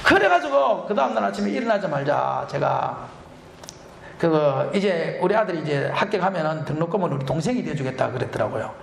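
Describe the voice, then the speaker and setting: A middle-aged man, a pastor, preaching a revival sermon and telling a personal story with animated, laughing delivery. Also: on the high side, fairly quick, creaky, slight background noise. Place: church sanctuary. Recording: echoey church hall.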